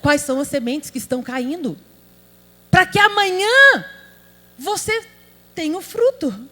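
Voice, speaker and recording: High-voiced woman pastor preaching in a hall. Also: sing-song, a little slow, pushed and bright. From Brazil. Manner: emphatic, rhetorical questions to the audience. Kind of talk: sermon. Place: large convention hall. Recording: hall reverb with mains hum.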